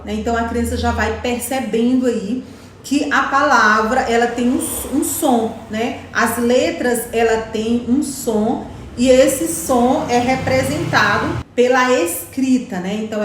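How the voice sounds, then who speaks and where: A Brazilian woman teaching an online course, chatty and showing classroom materials as she talks. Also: a little high. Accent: Brazilian Portuguese. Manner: chatty, repeats "né?" and "ó" while pointing at materials. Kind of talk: informal teaching demonstration. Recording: very echoey room, faint background noise.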